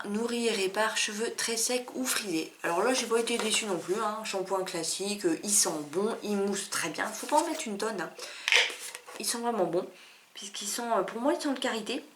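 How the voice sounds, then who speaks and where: A woman's voice: medium pitch, normal speed, background noise. Chatty woman reviewing beauty products. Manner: chatty, candid, many fillers and asides. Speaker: beauty vlogger.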